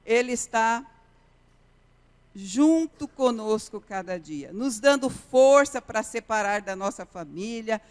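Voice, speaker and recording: A woman's voice: on the high side, lively intonation, takes it slowly. A woman, a missionary telling an earnest testimony in a sermon, often repeating key phrases. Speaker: missionary preacher. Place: church sanctuary. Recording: reverberant church hall.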